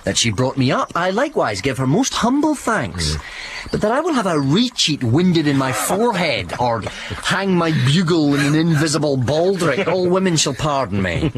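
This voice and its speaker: A man playing a quick-tongued, mocking young soldier who scorns marriage, his voice riding high and swooping widely as he jests. Playful scorn runs through every line, and a faint hiss sits under the recording. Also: big pitch swings. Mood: defiant jest. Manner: mocking, playful, laughing asides. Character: witty scoffing young male soldier bachelor. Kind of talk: Shakespeare stage acting.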